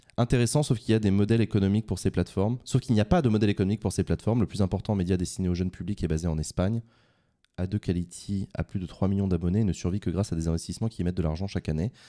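The man's voice has a dark, mellow tone and a fairly low pitch. He speaks at a very fast pace. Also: ordinary pitch variation, quiet background. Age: 30s. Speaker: political news streamer. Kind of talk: casual live stream news review. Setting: live stream. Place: home room. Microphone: studio mic.

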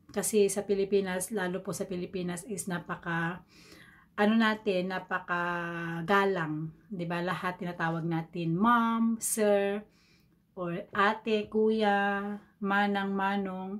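Woman at a very slow pace in a monotone, flat intonation. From Philippines, Ilocano-speaking; Philippines. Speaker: vlogger. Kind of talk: casual vlog talk to camera; casual vlog chat. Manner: hesitant, many fillers. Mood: friendly, smiling. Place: home room. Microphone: phone near.

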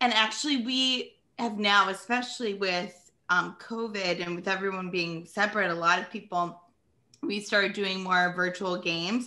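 A woman with an American accent talks at a moderate pace. Her bright, sharp tone shows ordinary pitch variation. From Pennsylvania coal region. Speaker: podcast host. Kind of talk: casual chat. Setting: video call, at home. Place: home room. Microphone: webcam.

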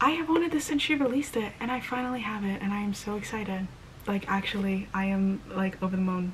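Over light background noise, a woman talks very fast with lively intonation. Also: medium pitch for a woman. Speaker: book vlogger. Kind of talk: reading aloud; casual vlog chat. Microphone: phone near.

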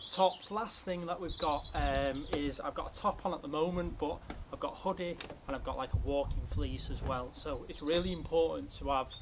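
This man talks at a moderate pace. There is noticeable noise in the background. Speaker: youth expedition instructor. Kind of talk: tutorial. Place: garden.

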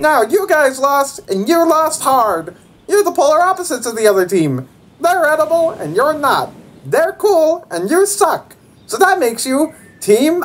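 A cartoonish character voice at a high pitch moves along at a moderate pace. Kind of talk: comic cartoon voice acting. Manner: snide, petty, childish.

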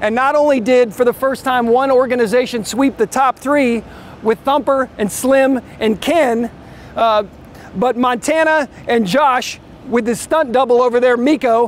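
Over light background noise, a man with an extremely high voice speaks at a fairly slow pace, with very even loudness and fairly even intonation, in a dry sound with no echo. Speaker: team host. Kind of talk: presenter outro. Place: street.

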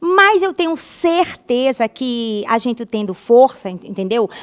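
A woman speaks with a high pitch and very wide pitch swings. The background is quiet. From Brazil. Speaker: singer; interviewee. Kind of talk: TV interview. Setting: theatre. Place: stage. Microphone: handheld.

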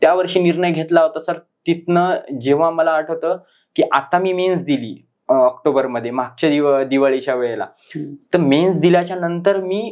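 Against a quiet background, a man speaks at a high pitch. His pitch varies in an ordinary way. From Maharashtra, Nanded district (Mahur). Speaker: newly selected police sub-inspector. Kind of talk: interview.

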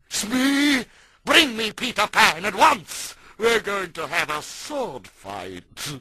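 Against a quiet background, a man uses a high-pitched put-on character voice at a very slow pace. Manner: pompous, menacing.

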